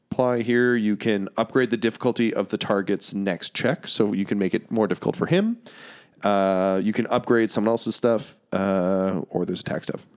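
A man runs a tabletop role-playing game, walking the players through the rules at an easy pace. His voice is slightly low, and he fills the gaps with ums and uhs. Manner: relaxed, explains rules with fillers. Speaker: game master.

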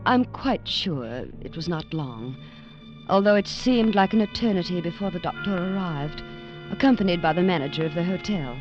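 This 1940s radio actress, heard through a muffled old broadcast with music, voices an earnest young English woman narrating her tale. Her fairly low voice is animated and lightly acted at a moderate pace, breathless and wide-eyed as she recounts.

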